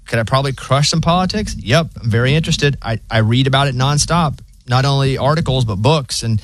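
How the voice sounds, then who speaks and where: A man's voice: mid-range voice, dry recording. A man with a Southern accent hosting a radio show, talking in a laid-back, joking, plainspoken way. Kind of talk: casual radio banter.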